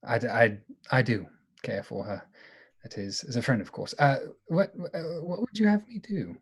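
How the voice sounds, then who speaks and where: A man playing an earnest, somewhat awkward gentleman diarist in a live radio play, formal in speech. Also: medium pitch, lively intonation, slightly rough. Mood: flustered. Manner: formal, halting when flustered.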